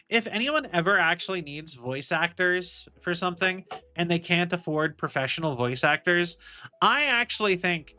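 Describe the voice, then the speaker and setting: Sharp-toned and on the high side, a young man streaming as a VTuber chats in a rambling, casual way. "Like I said" keeps coming up as he circles back.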